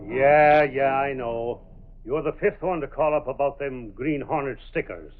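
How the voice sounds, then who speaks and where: An actor in a 1930s radio drama playing a gruff, dismissive police sergeant who barks orders. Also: male voice, mid-range voice, unhurried, faint music behind, close to an everyday voice. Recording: tinny old radio recording.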